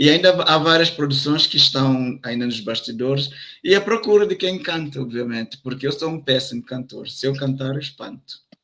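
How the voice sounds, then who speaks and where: A man at a moderate pace with hardly any pauses and ordinary pitch variation. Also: fairly high pitch for a man. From São Tomé and Príncipe. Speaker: poet. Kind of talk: interview. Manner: halting.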